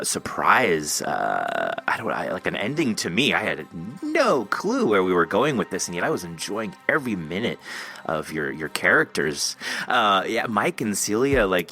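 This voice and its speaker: Male podcast host, forceful and lively, chatting informally over faint music. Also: low-pitched. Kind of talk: casual interview chat.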